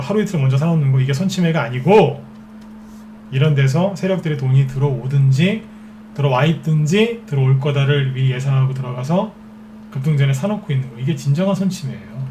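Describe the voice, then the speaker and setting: A man's voice: mid-range voice, dark tone, slight background noise. A man giving a stock trading lecture as a market expert, who keeps asking rhetorical questions and answering them himself. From Seoul capital region.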